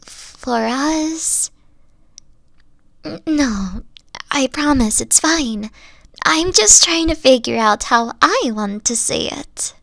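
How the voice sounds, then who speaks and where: Woman doing a tender kitsune girlfriend: hesitant, soft-spoken, unhurried, with vocal fry. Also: sits high, expressive, dry recording, exaggerated voice. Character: gentle three-tailed fox-girl girlfriend, thoughtful. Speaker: voice actor. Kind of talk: ASMR audio roleplay.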